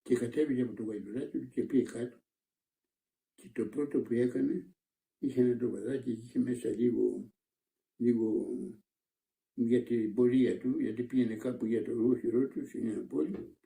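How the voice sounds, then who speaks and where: An older man, a monastic elder, slowly retelling a parable with many repetitions in an interview, recorded in a roomy space from a distant mic. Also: medium pitch, fairly even intonation, gravelly, mellow. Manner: slow, repetitive storytelling.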